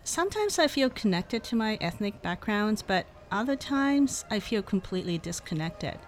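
A woman's voice: mid-range voice, very animated, moderate pace, natural voice. A young woman playing a chatty, upbeat student friend. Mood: candid. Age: young adult.

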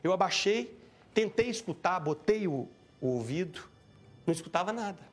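Guy with a high husky voice telling a story in an interview, gets animated, faint music under it. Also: normal speed. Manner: animated, acts out shouting and quoted speech. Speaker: interviewee recounting an event. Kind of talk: emotional first-person account.

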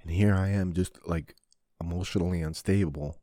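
A man hosting a podcast, crying as he opens up in a halting monologue, swearing often and restarting his sentences. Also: sits low, fairly even intonation, mellow, no room sound, clean studio sound. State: crying, sniffling. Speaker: podcast host. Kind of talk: emotional confessional monologue.

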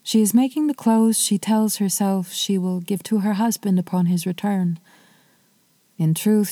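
A woman narrating an old myth as a podcast storyteller, in a measured, lyrical way. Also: mid-range voice, warm tone, no room sound.

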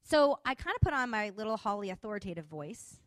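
A woman's voice: mid-range voice, sing-song, fast talker, dry recording. A woman in her thirties, a Christian speaker, animatedly retelling a personal testimony with acted-out dialogue.

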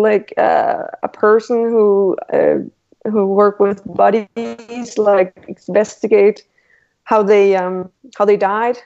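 A woman from Denmark with a Danish accent, a Danish native speaker, answering relaxed interview questions and pausing to search for words. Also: mid-range voice, vocal fry. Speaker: illustrator guest. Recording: dull lo-fi call audio.

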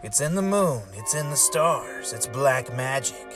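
A woman's voice: very deep voice, animated, measured pace, over loud music. A woman playing a bossy young friend who leads an occult game in a horror audio drama. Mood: commanding, eerie.

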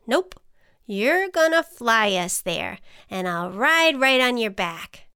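Small male ant for storybook woman performer: folksy, persuasive pal, bright-eyed encourager, crisp high voice, dry recording. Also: big pitch swings, slow pace, no room sound, exaggerated voice. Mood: coaxing. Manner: chummy, coaxing, folksy. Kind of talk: children's storybook character voice.

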